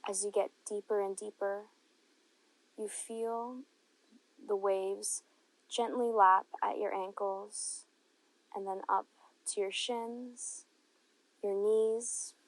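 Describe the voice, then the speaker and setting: Woman, medium pitch, guided meditation narration, gentle instruction, unhurried, long pauses. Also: level tone, no room sound, rough recording.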